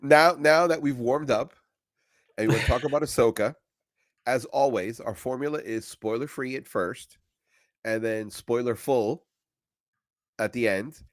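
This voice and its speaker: A man with a mid-range voice co-hosting a podcast, telling stories in lively casual chat. He stammers now and then and acts out what people said. The sound is dry and close. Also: medium pitch, a little slow, dry recording. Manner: animated storyteller, stammers, acts out quotes. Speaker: podcast co-host.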